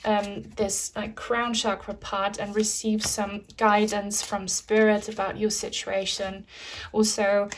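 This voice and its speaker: A woman whose first language is German gives viewers a casual pick-a-card tarot reading, calling them "guys." Her medium-pitched voice is flat and slow, full of fillers and asides. The low-quality recording has a little hiss or hum.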